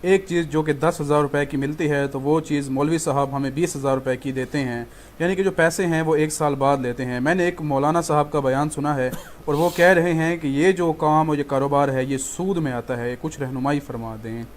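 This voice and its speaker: A man's voice: fairly high pitch, steady tone, a little fast, a little hiss or hum. A man hosting a religious question-and-answer session, reading listener questions in a polite, formal way.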